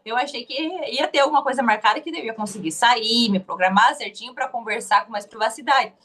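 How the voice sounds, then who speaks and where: A woman's voice: a little high, a little fast, fairly bright tone. A young woman with a Curitiba Brazilian Portuguese accent, telling her interview story casually, hesitant with many restarts.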